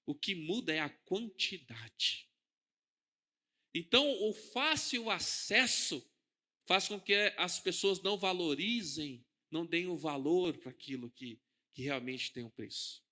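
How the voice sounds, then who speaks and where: In a church hall, a high-pitched man with a Brazilian Portuguese accent preaches a sermon. He keeps it conversational, poses questions to the congregation, and swings between soft and loud.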